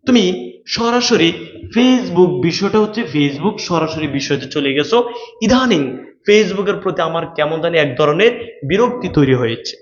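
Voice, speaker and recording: A man, pitched a little high, lectures students on exam rules in an instructive way. He repeats each point and keeps checking that they follow. The recording sounds roomy and dull, with a lo-fi quality. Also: lively intonation, normal speed. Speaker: admission test tutor. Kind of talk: online exam-prep lecture.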